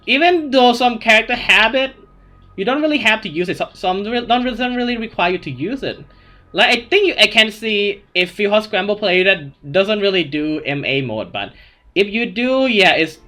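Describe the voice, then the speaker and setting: A man's voice: sits high, bright, forceful tone. A man with a thick Thai accent hosting a casual gaming Q&A, rambling with lots of fillers and restarts. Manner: rambling, many "you know" fillers and restarts. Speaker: gaming channel host. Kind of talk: casual Q&A commentary over gameplay.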